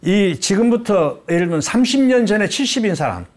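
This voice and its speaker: Lively older man lecturing with rhetorical questions. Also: high-pitched, brisk. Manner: poses rhetorical questions then answers them; lively, emphatic teacherly delivery. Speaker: guest expert lecturer. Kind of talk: explanatory lecture on a talk show.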